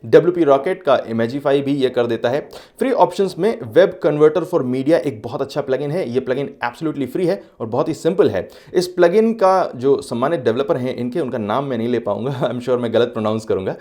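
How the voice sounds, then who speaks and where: Hindi tutorial host mixing English phrases. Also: male voice, mid-range voice, dark tone. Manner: explains step by step with everyday analogies; clear, instructive delivery with brief filler pauses. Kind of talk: scripted screen-recorded tutorial.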